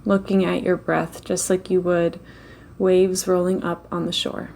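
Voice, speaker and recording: A woman leading a slow guided meditation in a gentle, unhurried way, with long pauses between phrases. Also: lowish voice, flat delivery, gravelly.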